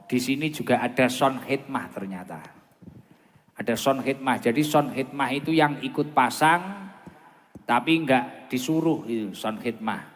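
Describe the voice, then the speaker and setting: A man with a Javanese accent preaching informally over a PA at a large gathering, chatting and bantering with the crowd as he repeats phrases. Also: fairly bright tone. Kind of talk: informal sermon with asides to the crowd. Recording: long booming reverb of an outdoor PA.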